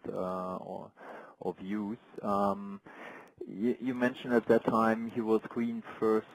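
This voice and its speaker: A man asking formal questions as an analyst on a business conference call, in halting phrases. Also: on the low side, monotone, low-quality recording.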